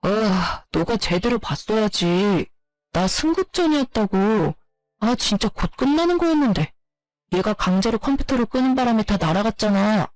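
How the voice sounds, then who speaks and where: A man's voice: high-pitched, expressive, moderate pace, no room sound. A man voicing an irritable young husband obsessed with gaming, whiny and defensive as he snaps back. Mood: angry. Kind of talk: narrated story dialogue.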